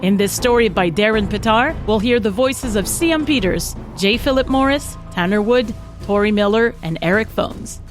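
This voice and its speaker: A woman's voice: medium pitch, animated, moderate pace. A woman reading a scripted announcement to introduce a fiction podcast episode. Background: music.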